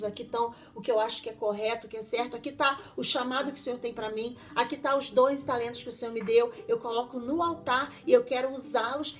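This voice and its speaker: A woman delivers a devotional teaching in a notably high voice. She speaks with earnest emphasis, often breaking off and restarting her sentences. She slips into quoted prayers as she teaches. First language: Portuguese. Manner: acts out prayers and God's words in quotes.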